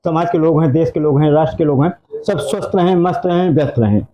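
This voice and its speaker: Earnest man in his fifties, dark voice. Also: on the high side, fast, dull audio. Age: 50s. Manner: earnest, speaks in rhetorical lists. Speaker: guest, aspiring singer. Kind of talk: earnest interview answers, folk song.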